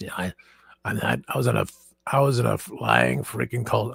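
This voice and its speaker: Using a put-on character voice, a man speaks in a very deep, low, raspy pitch at a moderate pace, the sound dry and close with no echo. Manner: strained.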